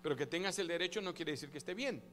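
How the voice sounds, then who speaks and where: A man preaching as pastor, emphatic and swinging between loud and soft, prompting the congregation to repeat after him. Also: fairly high pitch, lively intonation, very fast, in a large hall. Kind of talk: sermon.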